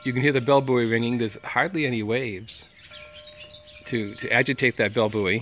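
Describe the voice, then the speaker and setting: Music plays behind the speaker. He is a man using ordinary pitch variation at a moderate pace. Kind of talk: casual live-stream chat. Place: street. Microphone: phone near.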